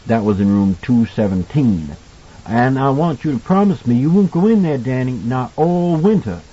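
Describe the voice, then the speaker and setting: A man voicing a kindly older hotel cook in an audiobook, folksy and earnest as he gently cautions a child. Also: mid-range voice, lively intonation, normal speed, breathy edge, muffled recording, voice pushed up. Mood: grave, cautioning. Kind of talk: audiobook character dialogue.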